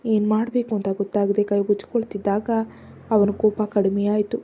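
A woman narrating a first-person family drama story in a soft, hushed storytelling voice. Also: mid-range voice, little pitch movement, normal speed, slightly rough.

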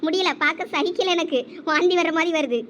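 A young woman acting in a village comedy skit, teasing with sharp, quick retorts. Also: very high voice, a little hiss or hum. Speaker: sketch actor.

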